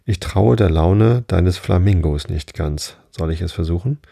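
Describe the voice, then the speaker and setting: A man's voice: sits low, unhurried, creaky, warm tone, no room sound, studio quality, full character voice. A man voicing a self-satisfied duchess in a storybook reading, preaching tangled morals. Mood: smug.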